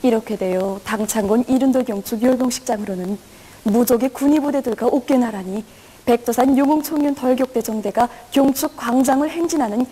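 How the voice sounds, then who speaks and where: A woman's voice: a little high, fairly quick, mellow, breathy edge. A woman with a North Korean accent narrates television news from a script in a solemn, reverent, declamatory way. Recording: long hall-like reverberation.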